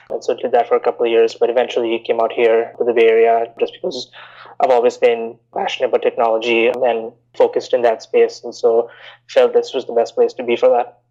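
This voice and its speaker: A man in his thirties from India, raised in Bahrain, answering interview questions in a measured, explanatory way with frequent "you know" fillers. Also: mid-range voice, a little mellow, highs cut off. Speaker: guest, investment banker.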